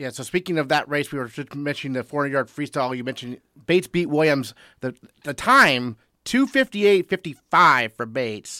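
Fairly high for a man and a plain, everyday voice, his speech moves at a fairly quick pace with ordinary pitch variation on a very clean recording with a silent background. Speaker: college sports podcast host. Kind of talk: interview-style sports show hosting.

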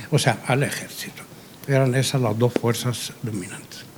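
A fairly slow delivery in an Arabic accent, with noticeable background noise. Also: man. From Egypt, Cairo. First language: Arabic (speaking Spanish). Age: 70s. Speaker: journalist. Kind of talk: panel talk.

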